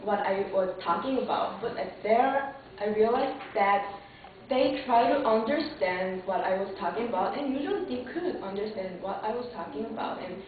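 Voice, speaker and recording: A woman's voice: mid-range voice, lively intonation, moderate pace. Woman, Korean accent, earnest and hesitant, thin phone-like sound, faint hiss. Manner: earnest, hesitant with restarts and fillers. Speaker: job applicant for English teacher. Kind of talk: mock job interview answers. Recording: distant echoey lo-fi phone-like room recording.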